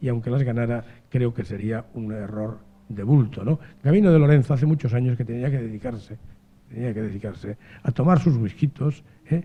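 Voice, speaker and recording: A man talks at a fairly quick pace with a medium pitch and ordinary pitch variation. His voice is somewhat breathy, with a dark, mellow tone. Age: 60s. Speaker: Anglican priest. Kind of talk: televised debate.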